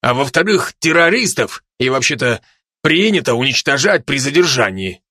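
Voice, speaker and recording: A man voicing a calm, serious male special-forces dog who explains things patiently. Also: mid-range voice, moderate pace, husky, no room sound, studio quality, heavily acted. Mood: matter-of-fact.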